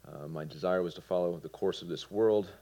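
A man in his forties from Georgia with a Southern American accent, giving his personal testimony in a sermon with earnest, halting delivery. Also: deep voice. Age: 40s. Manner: earnest, with fillers and soft laughs. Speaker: preacher.

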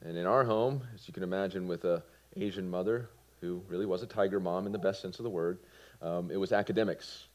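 A man in his forties from Georgia with a Southern American accent, giving his personal testimony in a sermon with earnest, halting delivery. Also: low voice. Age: 40s. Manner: earnest, with fillers and soft laughs. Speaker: preacher.

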